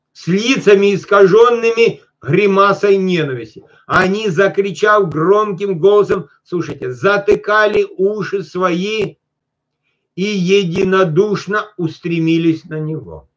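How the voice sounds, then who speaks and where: A male preacher with a fairly high voice, caught on a dull, lo-fi recording. He reads scripture slowly, stops to speak straight to his listeners, then rushes on in quick everyday asides. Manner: often addresses listeners directly. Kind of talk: sermon.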